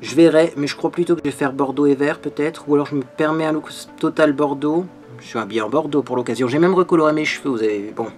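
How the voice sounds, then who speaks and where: Talking fast in a fairly high voice with a darkish tone, a man hosts a makeup tutorial while soft music plays. As a beauty vlogger, he's chatty and bubbly, regularly ending sentences with little fillers such as "hein."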